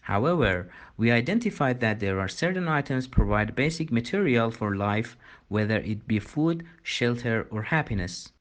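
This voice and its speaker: A man reads academic practice passages aloud. His delivery is measured and formal, yet his pitch moves around with plenty of variety at a medium height. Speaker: exam practice reader.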